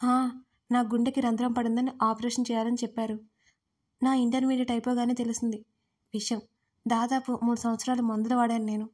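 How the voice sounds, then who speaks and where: A woman's voice: on the high side, flat delivery, fairly quick, a little mellow, close to an everyday voice. Woman voicing a tearful pleading young woman. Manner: pleading, crying voice. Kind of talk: audio story dialogue.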